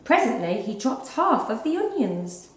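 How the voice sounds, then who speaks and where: A woman narrating a children's story aloud in an expressive, deliberate storytelling manner, like a teacher. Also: fairly high pitch. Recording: dull, roomy lo-fi recording.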